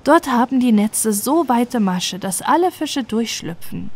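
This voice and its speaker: A woman's voice: fairly high pitch, animated, a little slow, a little mellow, husky. A woman narrating a scripted fairy tale as a bedtime audiobook.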